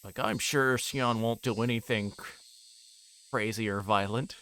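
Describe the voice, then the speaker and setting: A man livestreaming a visual novel, reading its text aloud and breaking into casual, rambling commentary as he thinks out loud. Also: on the low side, steady tone, measured pace, slight background noise.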